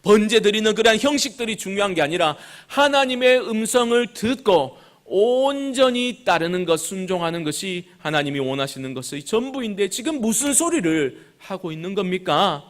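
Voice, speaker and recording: A male pastor preaching a Sunday sermon, swinging between loud and soft, slowing on key words, and asking the congregation questions. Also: high-pitched, expressive. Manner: acts out Bible quotes in changed voices; asks the congregation rhetorical questions.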